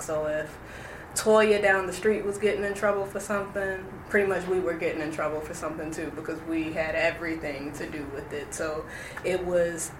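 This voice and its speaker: A young woman, recalling her early life in an oral history interview, reflective and hesitant with many fillers. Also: fairly low pitch. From Roanoke, Virginia. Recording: echoey room with noise.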